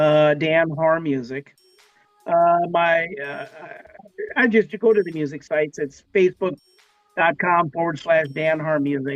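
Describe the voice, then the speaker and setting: Music plays behind a man with a fairly high pitch who speaks at a fairly slow pace with ordinary pitch variation and long, frequent pauses, the sound dry and close with no echo. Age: 60s. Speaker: singer-songwriter. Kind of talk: casual interview.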